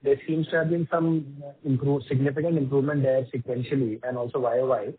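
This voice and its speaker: A man's voice: medium pitch, level tone, brisk, slightly rough, no echo. A man, a financial analyst politely and somewhat hesitantly asking questions on an earnings call. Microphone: phone. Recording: dry, tinny phone line.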